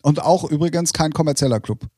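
A man chatting casually as a podcast co-host, relaxed and hesitant with many fillers. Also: a little high, a little fast, no echo, clean studio sound. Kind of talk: casual chat.

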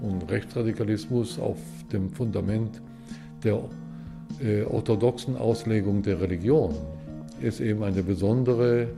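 A man in his seventies from Israel, a historian giving measured explanations as an interview guest. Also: on the low side, vocal fry, over music. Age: 70s. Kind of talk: casual interview talk.

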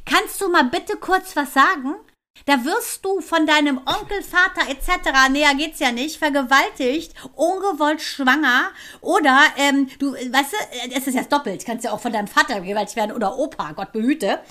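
Brisk, emphatic woman, slightly high voice. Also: pushed and bright. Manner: fast, emphatic and colloquial, with indignant outbursts. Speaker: podcast co-host. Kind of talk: casual conversation.

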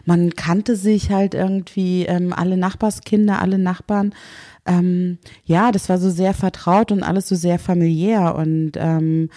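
A woman in her thirties, raised in Kazakhstan, talking as a podcast guest in a relaxed way with many fillers. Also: fairly low pitch, measured pace. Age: 30s. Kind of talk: casual interview conversation. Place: her own apartment.

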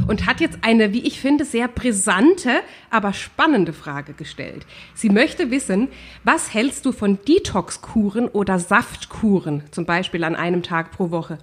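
A woman's voice: medium pitch, lively intonation, a little slow, breathy edge. Woman host with a head cold. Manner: opinionated and emphatic. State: has a head cold, runny nose. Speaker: podcast co-host. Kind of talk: casual Q&A podcast talk.

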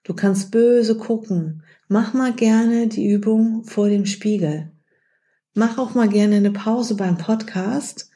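A woman hosts an advice podcast in a mellow, warm voice. She coaches the listener directly and drops into brief acted example lines. Her pitch sits in an ordinary middle range. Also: slow. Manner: acts out short example phrases. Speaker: podcast host.

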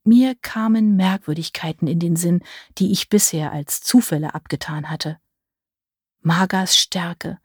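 A woman reading a dark fairy-tale story in first person, measured and vivid. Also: on the low side, slightly rough, no echo, studio quality. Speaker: audiobook narrator. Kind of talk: scripted first-person narration.

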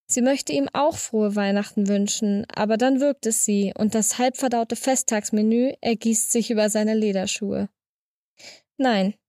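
A woman narrating a short story in a calm, measured reading voice on a close studio mic. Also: a little high, dry recording. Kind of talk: scripted narration.

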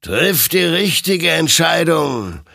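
A man voicing an all-knowing ghostly rider of death, speaking in a slow, drawn-out, menacing way with a gravelly voice. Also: on the high side, very animated, a bit bright, no echo, studio quality, pitched above the performer's own voice, full character voice. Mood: slow menace.

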